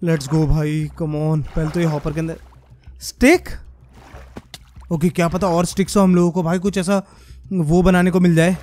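A young man commenting on his own gameplay as a gaming creator, muttering as he works and then bursting into excited shouts. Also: on the high side, normal speed, slight background noise. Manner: talks to himself and viewers, swings from muttering to excited shouts. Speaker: gaming YouTuber.

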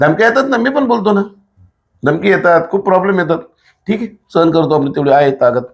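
A man's voice: high-pitched, animated, fast. A man, an activist answering in a casual interview in a blunt, emphatic way with rhetorical questions. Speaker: political activist, interview guest.

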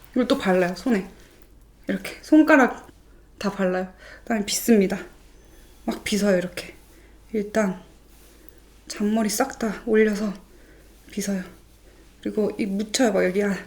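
A woman's voice: fairly high pitch, darkish tone. A woman in her thirties walking through a hair styling tutorial in a chatty, playful way, now and then talking to her own hair. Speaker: vlogger.

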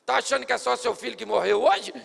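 A man acting out a gruff man who scolds a grieving widow, loud and mocking. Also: very high-pitched, fast talker, long reverb tail, exaggerated voice. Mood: scornful. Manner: mocking, rough.

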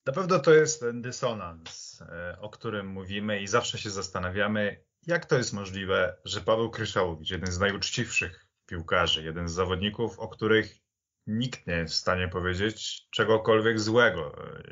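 A man speaking on a football podcast in a measured, explanatory and conversational way, building long sentences. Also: lowish voice, a bit bright, slight background noise. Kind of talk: conversational sports history discussion. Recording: slightly dull, band-limited audio.

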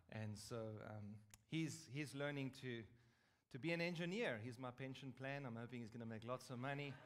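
A man in his forties with a South African accent, preaching on a church stage and telling a story in a lively, joking way. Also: mid-range voice. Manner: lively, chatty, joking asides. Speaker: guest preacher. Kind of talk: storytelling sermon. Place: large stage in a church hall.

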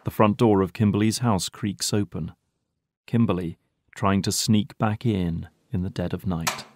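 A man's voice: low voice, fairly even intonation, a little slow, noisy background. A man giving dramatic scripted narration for an audio drama.

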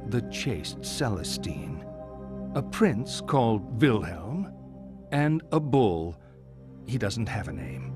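An actor playing a composed middle-aged male psychiatrist in a video game, telling things in a deliberate, theatrical way. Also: lowish voice, heavily acted. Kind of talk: dramatic video game monologue.

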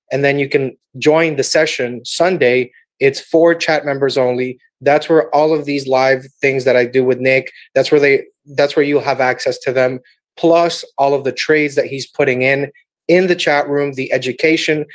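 A man hosting a trading webinar on a video call, making a sales pitch and answering viewer questions. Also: no room sound. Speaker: webinar host.

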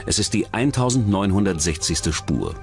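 Male narrator for scripted crime documentary, animated delivery, low register. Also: normal speed, gravelly. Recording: music bed under the voice.

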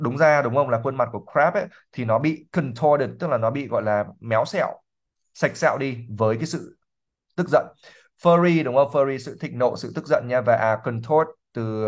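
A male English teacher with a medium pitch goes over vocabulary in a livestreamed reading lesson. He says each word again slowly and fills his pauses as he reasons out loud.

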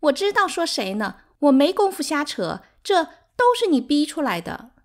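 A woman voicing a hysterical, defiant younger concubine in an audiobook, shrill and wailing with grievance. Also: big pitch swings, normal speed. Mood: bitter, accusing. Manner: wailing, taunting. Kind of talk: dramatic audiobook character acting.

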